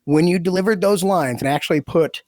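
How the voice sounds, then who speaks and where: A man's voice: sits high, a little fast, no echo. Effusive man, very dry close sound. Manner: effusive, animated storytelling, quoting reactions. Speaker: audio drama producer and sound editor. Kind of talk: casual chat.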